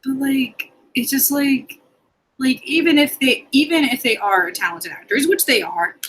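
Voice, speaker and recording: Slow-paced young woman chatting about books. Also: sits high, a bit bright, slightly rough, low-quality recording. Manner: informal, giggly, sardonic. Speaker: book discussion co-host. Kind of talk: casual book chat.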